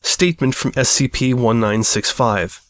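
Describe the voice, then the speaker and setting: A narrator reads scripted fiction as a formal incident report. The delivery is measured and matter-of-fact, in a medium-pitched voice with a close, dry sound. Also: a bit bright, no echo.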